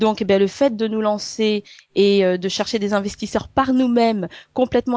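A normal speaking voice delivers its words with fairly even intonation. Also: woman. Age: 30s. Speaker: business client, women's advice service director. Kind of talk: testimonial interview.

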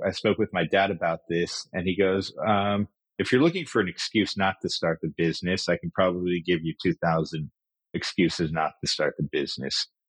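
Recorded dry and close with no echo against a quiet background, a man with an American accent talks at a very deep, low pitch with fairly even intonation. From Kenya, American international school. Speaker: startup founder. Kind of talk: interview.

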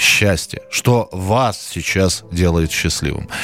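Music in the background behind a man's fairly low voice, at a very slow pace with ordinary pitch variation. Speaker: radio host. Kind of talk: radio phone-in show. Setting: studio.

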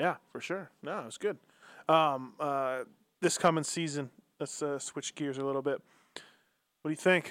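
A man speaks in a plain, everyday voice at a fairly high pitch. His pace is fairly slow, and his intonation is fairly even. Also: big swings in loudness, very clean recording, silent background. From Canada. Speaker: podcast host. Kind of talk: casual chat. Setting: home studio.

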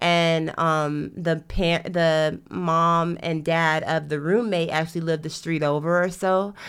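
A woman with an American accent, fairly low in pitch, her intonation monotone and flat, her pace fairly slow. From US South, Georgia (Atlanta). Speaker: entrepreneur. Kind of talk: casual chat.

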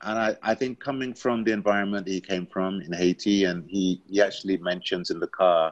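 The speaker has a British accent and is a man. He talks at a moderate pace. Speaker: actor. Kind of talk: casual interview.

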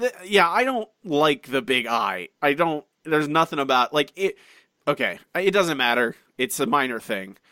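Bright and sharp in tone, a man's fairly high voice swings very widely in pitch at a moderate pace, captured dry and close with no echo in a very clean recording over a silent background. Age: 30s. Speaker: podcast host. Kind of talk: casual chat.

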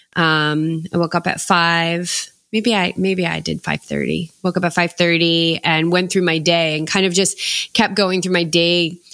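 A woman with a fairly low pitch speaks at a fairly slow pace with hardly any pauses, her tone bright and sharp and her intonation flat and monotone, in a very clean recording with a silent background. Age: 50s. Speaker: mindset and wellness coach, podcast host. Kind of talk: casual chat.

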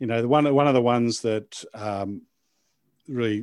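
With an Australian accent, a man talks at a medium pitch with ordinary pitch variation over a silent background in a very clean recording. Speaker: podcast host. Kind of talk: casual interview.

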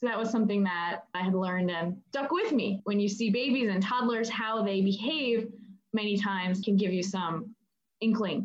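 A woman with a fairly high pitch has an unremarkable speaking voice. She talks at a moderate pace with ordinary pitch variation. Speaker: audiologist podcast host. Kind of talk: interview.

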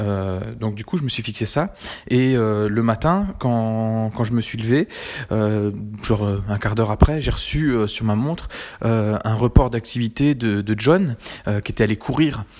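The pace is very slow. The pitch variation is ordinary. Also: man, medium pitch for a man. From Strasbourg, Alsace, France. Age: 30s. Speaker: podcaster and nurse. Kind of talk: casual monologue podcast. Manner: hesitant, many fillers.

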